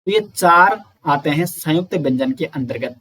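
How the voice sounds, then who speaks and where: A man's voice: fairly high pitch, animated, fairly bright tone, breathy edge. Man teaching, repeating each sound. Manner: explains slowly, repeats sounds and counts aloud. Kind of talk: exam-prep lecture.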